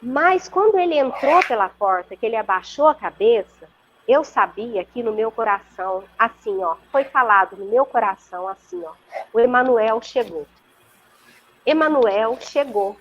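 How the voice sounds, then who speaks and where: Over muffled, lo-fi video-call audio with slight background noise, a Brazilian Portuguese-accented woman shares a story as an interview guest. Her fairly high, somewhat bright voice is expressive at a moderate pace, and she tells it earnestly and vividly, often checking in with the listener.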